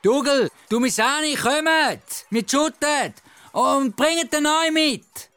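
A woman voicing a loud, bossy schoolboy who shouts to his friends across the playground. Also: high voice, takes it slowly, no echo, faint music behind, voice pushed up. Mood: shouting. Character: loud bossy schoolboy calling teammates to play.

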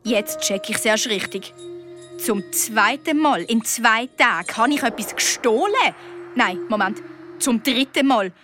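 A woman with a Swiss German accent reading a children's story aloud as a young girl's first-person narration, lively with sudden high outbursts. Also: unhurried, soft background music.

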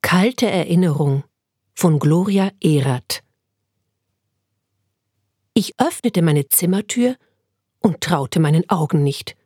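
A woman reading a short story aloud in a calm, measured way. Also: fairly low pitch, slightly rough, no room sound, clean studio sound. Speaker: story reader.

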